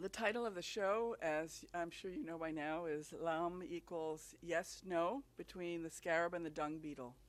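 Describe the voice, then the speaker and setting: This woman has an unremarkable speaking voice with an American accent. She talks at a fairly slow pace, her fairly low pitch varying in an ordinary way. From US Northeast, New York City. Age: 60s. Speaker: artist. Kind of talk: gallery talk. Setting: gallery with audience.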